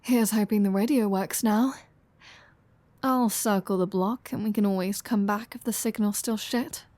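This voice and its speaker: A woman's voice: medium pitch, steady tone, moderate pace, a little mellow, dry recording, natural voice. A woman playing a flirty, sardonic, foul-mouthed vampire in an intimate roleplay audio drama. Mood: teasing, casual.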